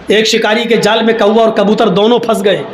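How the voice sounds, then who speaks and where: A man preaching a humorous storytelling sermon, animated and breaking into shouts for emphasis. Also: sits high. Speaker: Islamic preacher. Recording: echoey hall, faint background noise.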